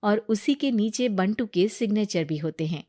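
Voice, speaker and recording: A woman narrating a children's moral story in a steady, scripted storytelling manner. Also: medium pitch, moderate pace, no echo, clean studio sound.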